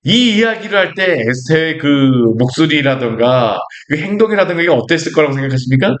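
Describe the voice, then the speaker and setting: Korean pastor preaching a sermon. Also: male voice, a little high, lively intonation, fairly quick, a bit bright. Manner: conversational preaching with rhetorical questions and acted-out scripture quotes.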